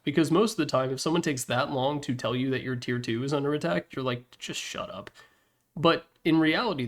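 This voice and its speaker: A man giving casual, opinionated video game commentary as a presenter, speaking informally with slangy emphasis. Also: on the high side. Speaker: presenter ranking game announcer packs.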